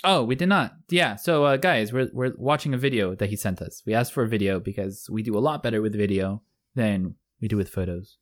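A young man co-hosting a podcast in easy conversation, his voice a bit high and friendly. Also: a little fast. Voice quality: fairly high-pitched voice. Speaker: podcast co-host. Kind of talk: casual chat.

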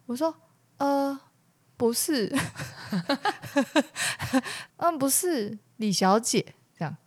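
Lively Taiwanese woman telling a story. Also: sits high, very slow. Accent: Taiwanese Mandarin. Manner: animated storytelling with laughs and acted quotes. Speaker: podcast co-host. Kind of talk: casual comedic chat.

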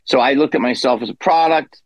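A man's voice: mid-range voice, a little fast, no room sound, poor audio. A man in his fifties rambles through a story as a guest comedian, full of self-deprecating asides. His voice sits in a mid register, and the recording is dry and close, with no room sound. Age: 50s. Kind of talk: casual interview storytelling.

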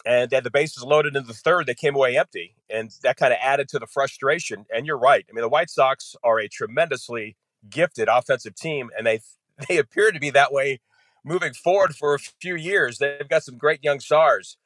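A man's voice: mid-range voice, normal speed, a bit bright, no echo. Baseball radio guy telling game stories, lots of detail, says "you know" a lot, dry close mic. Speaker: radio play-by-play announcer, guest. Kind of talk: conversational game analysis.

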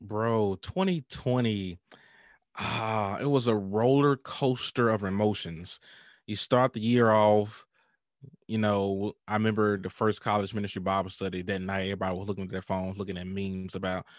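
A man in his thirties with an African American accent, telling stories in an animated, informal way in a casual podcast interview. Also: lowish voice, normal speed, dry recording, studio quality. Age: 30s. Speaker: pastor and podcaster.

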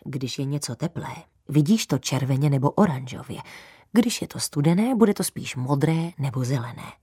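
A woman's voice: extremely low pitch, expressive, mellow, husky, no room sound, studio quality, heavily acted. Woman doing a keen physics-loving dad. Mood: explaining. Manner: explaining, enthusiastic. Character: eager physics-loving father.

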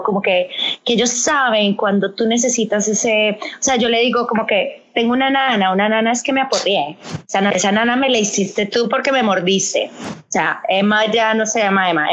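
A husky-voiced woman, chatting casually and telling stories with lively energy as she code-switches into English. The recording sounds somewhat dull and lo-fi. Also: mid-range voice. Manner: animated storytelling, switching between Spanish and English. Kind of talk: casual chat.

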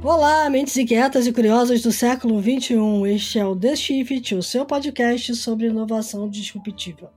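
Woman podcast host, mellow and husky, higher voice, measured delivery. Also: soft background music. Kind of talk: scripted podcast intro and interviewing.

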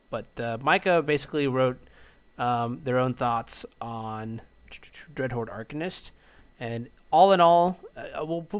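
A man co-hosting a podcast in casual chat, rambling with many fillers and restarts. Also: medium pitch. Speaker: podcast co-host.

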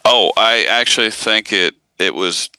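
A man's voice: lowish voice, a little slow, pushed and bright, clean tone, dry recording, low-quality recording. A man, an audio company founder, talking casually in an interview, hesitant with many fillers and restarts.

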